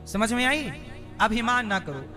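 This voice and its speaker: A man's voice: extremely high pitch, expressive, unhurried, bright, forceful tone, soft background music. A man preaching a devotional sermon, telling stories and questioning and teasing his audience. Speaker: katha preacher.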